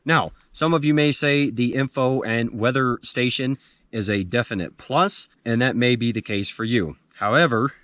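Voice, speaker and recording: A man's voice: mid-range voice, moderate pace, fairly bright tone, dry recording. An American man in his forties giving a casual, plain-spoken gear review to camera outdoors. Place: outdoors in a dirt clearing among pines.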